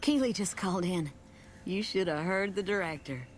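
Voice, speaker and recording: A woman's voice: fairly low pitch, expressive, normal speed, a little hiss or hum, natural voice. A woman voicing a friendly, frank female character in a video game, chatty and direct.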